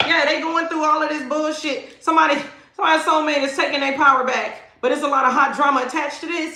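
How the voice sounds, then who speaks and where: In a raised, projected voice with a high pitch, a woman talks very fast amid noticeable background noise and audible room echo. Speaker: tarot reader. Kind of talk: live stream tarot reading. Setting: live stream. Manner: animated.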